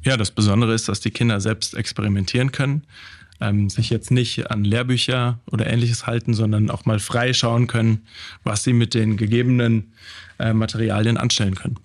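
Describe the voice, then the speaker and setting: Flat-voiced male teacher interviewee. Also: on the low side, a little fast. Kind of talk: interview statement.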